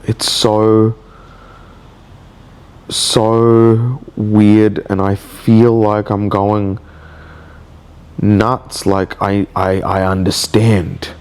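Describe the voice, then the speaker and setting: Slow, halting man with a blocked nose. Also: on the low side, level tone, a little mellow, smooth. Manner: slow, halting and reflective, with many restarts. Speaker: vlogger. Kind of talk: personal video diary.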